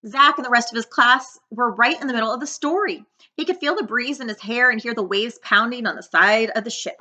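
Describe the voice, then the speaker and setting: Seated on a living room couch indoors, a middle-aged woman reads a children's picture book aloud in a fairly high, brisk voice. Her storytelling is expressive and dramatic, sprinkled with chatty asides.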